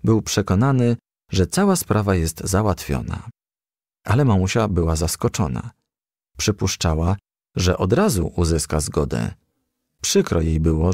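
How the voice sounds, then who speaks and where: A man reading a children's audiobook as expressive storybook narration. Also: low voice, no room sound, clean studio sound. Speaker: audiobook reader.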